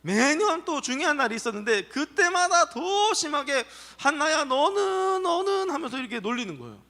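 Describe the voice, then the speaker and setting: A man pastor telling a Bible story to children, animated and asking them questions. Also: very high-pitched, a little fast. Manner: animated, asks children questions and acts out voices. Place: church children's worship hall. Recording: reverberant hall.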